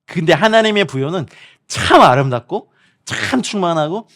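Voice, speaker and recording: Animated male missionary preaching a sermon. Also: on the high side, moderate pace. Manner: animated, acts out quoted people and laughs often while preaching; speaks directly to the congregation and online viewers, asking for amens. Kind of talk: sermon at a midweek prayer meeting, also streamed online.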